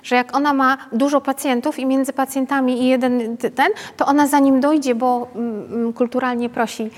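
The recording, with long reverb from a hall, captures a woman pedagogue leading a parenting workshop. Her voice sits high, with a steady tone and normal speed, and her informal, chatty talk often checks in with listeners using tag questions.

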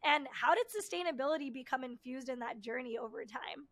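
A woman's voice: sits high, brisk. A woman hosting a podcast interview, upbeat and eager, with frequent "you know" fillers. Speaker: podcast host.

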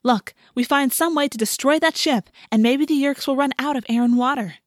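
A woman's voice: sits high, fairly quick, no room sound, clean studio sound, voice pushed up, close to an everyday voice. A woman voicing a feisty, headstrong teenage girl in an audiobook, with a snappy, emphatic delivery. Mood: determined.

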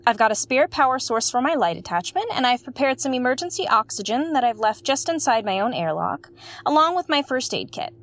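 An actress playing an earnest woman investigator who narrates her space mystery show in an articulate, musing, theatrical way with dramatic pauses. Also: high-pitched, sing-song, a bit bright, exaggerated voice. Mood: chatty, determined. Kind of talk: audio drama narration, like a spoken field log.

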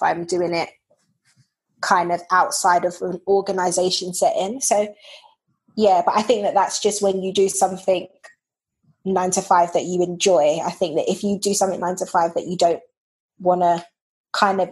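A woman's voice: fairly low pitch, a little mellow. A woman co-hosting a podcast, chatting casually with friends, full of fillers and restarts. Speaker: podcast co-host. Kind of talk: casual chat.

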